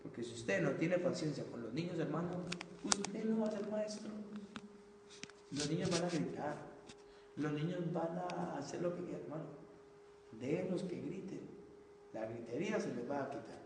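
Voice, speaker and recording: A man speaking as a pastor, his fairly high voice ringing through a big reverberant church hall. He sounds distant from the mic, with faint noise underneath. His delivery is earnest and chatty. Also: lively intonation, moderate pace, long pauses. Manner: earnest, conversational, calls listeners brother. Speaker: pastor teaching Sunday school teachers. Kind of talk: informal church teaching talk.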